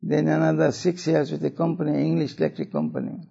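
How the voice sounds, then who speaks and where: An elderly man with a South Asian accent delivers a religious talk in a fairly high, creaky voice. He phrases deliberately and slips Urdu and Arabic terms into his speech. The recording is dull and lo-fi. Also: sing-song, warm tone. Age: older, 70s or above. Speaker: religious speaker.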